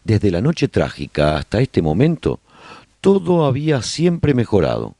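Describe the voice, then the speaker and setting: A man playing a nostalgic survivor who chronicles colony life in a radio serial, with measured, expressive storytelling. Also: lowish voice, dry recording, clean studio sound, heavily acted. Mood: earnest, chronicling. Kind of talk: scripted first-person radio drama narration.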